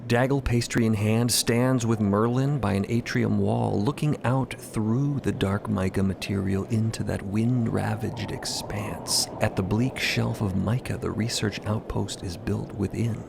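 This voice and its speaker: A man narrating an improvised fiction podcast in a deliberate, descriptive way. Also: on the low side, fairly even intonation, creaky, noisy background.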